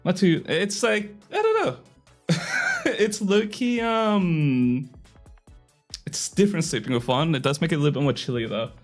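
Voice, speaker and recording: A young man with a slightly hoarse throat, chatting casually on a live stream in a rambling, self-deprecating way. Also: on the high side, sing-song, normal speed, pauses often, soft background music. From Australia.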